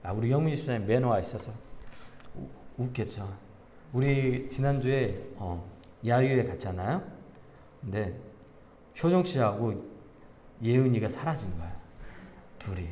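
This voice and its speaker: Lively Korean pastor in echoing hall. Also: male voice, mid-range voice, a little slow, long pauses, a little hiss or hum. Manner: animated, asks the congregation questions, tells anecdotes with laughter. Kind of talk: conversational sermon. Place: church sanctuary. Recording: reverberant church hall.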